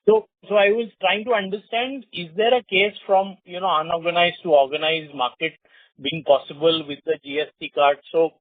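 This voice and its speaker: Analyst caller, man, fairly high voice, thin dry phone-line sound, hedges with "you know.". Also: steady tone, moderate pace, no echo. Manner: questioning, leans on "you know" fillers. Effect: heard over a phone line. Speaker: analyst asking questions on an earnings call. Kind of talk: conference call question. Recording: tinny, dry phone line with airy hiss.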